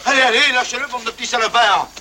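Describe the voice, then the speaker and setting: A man playing a pushy, grumbling character in a film comedy, insistent, excitable and repeating himself. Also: extremely high pitch, fast talker, heavily acted. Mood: angry shouting. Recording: very noisy film location sound.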